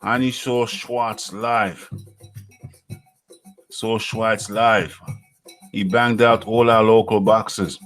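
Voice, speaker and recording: A man's voice: on the low side, fairly even intonation, takes it slowly, long pauses, fairly bright tone, soft background music. A man hosting a live boxing talk stream, repeating phrases, joking and hyping his viewers. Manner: repeats phrases, hypes viewers, jokes around. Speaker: boxing talk show host.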